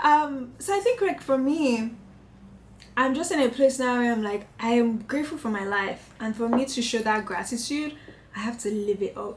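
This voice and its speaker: An animated woman with high pitch and lively intonation over noticeable background noise. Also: moderate pace. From Nigeria, Lagos. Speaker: vlogger. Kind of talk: casual vlog talk.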